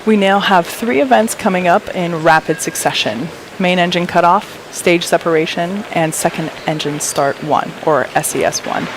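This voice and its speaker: A woman's voice: lowish voice, normal speed, few pauses. A woman giving explanatory live commentary as host of a rocket launch webcast. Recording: crowd and loud noise behind.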